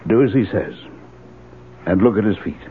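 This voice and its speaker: A man's voice: on the low side, normal speed, a little hiss or hum, lightly acted. Tinny radio actor as anxious middle-aged father. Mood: uneasy. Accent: American. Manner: hesitant, uneasy. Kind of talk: 1970s American radio drama acting. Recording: tinny, phone-like old radio broadcast.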